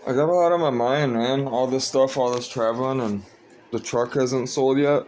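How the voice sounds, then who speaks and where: Tired man, flat monotone ramble. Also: mid-range voice, normal speed, a little hiss or hum. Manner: monotone, meandering, frequent fillers. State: tired, sleepy. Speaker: vlogger. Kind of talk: casual rambling vlog.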